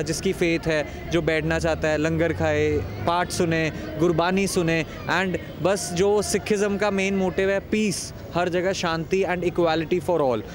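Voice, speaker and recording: Earnest young man, street noise behind. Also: on the high side. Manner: earnest, mixes in English words. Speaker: devotee interviewee. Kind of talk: street interview. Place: outdoors by a temple entrance. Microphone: handheld interviewer mic. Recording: outdoor traffic noise.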